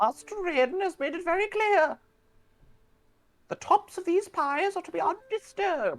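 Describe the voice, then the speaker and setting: A squeaky, extremely high-pitched put-on character voice at a moderate pace, with long, frequent pauses. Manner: scolding, stern.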